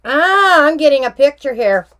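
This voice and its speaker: Slow-talking woman tarot reader. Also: fairly high pitch, expressive. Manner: chatty, emphatic, uses slang. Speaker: tarot reader and true crime channel host. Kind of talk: casual true crime tarot reading vlog.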